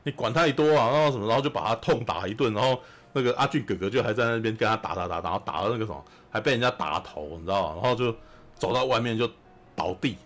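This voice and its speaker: A man with a Taiwanese Mandarin accent, hosting a podcast and telling a film's story in an animated, chatty way, often asking "you know?". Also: fairly low pitch, fast. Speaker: podcast host. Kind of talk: casual film recap chat.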